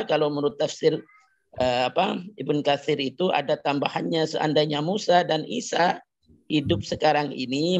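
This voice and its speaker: A man's voice: fairly high pitch, gravelly. Man reciting and explaining hadith, lo-fi. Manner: cites hadith sources at length, recites Arabic. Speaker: Islamic teacher. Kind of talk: religious explanation to a guest. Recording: dull lo-fi sound.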